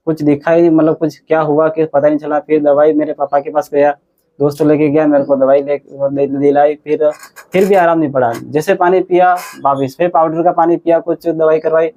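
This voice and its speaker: A man in his twenties telling his own story as a patient in an interview. He talks in a halting, rambling way and often restarts his sentences. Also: fairly high pitch, level tone, highs cut off. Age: 20s. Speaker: patient giving a testimonial.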